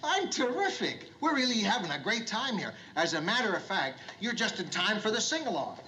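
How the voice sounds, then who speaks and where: A gruff, middle-aged male bar owner who is trying far too hard to be lovable. His voice sits high for a man, and he bellows hearty, repeated greetings. It sounds like the noisy soundtrack of an old TV sitcom. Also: animated, brisk. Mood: forced cheer. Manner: hearty, pushy host banter, repeats himself. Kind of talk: 1970s sitcom acting.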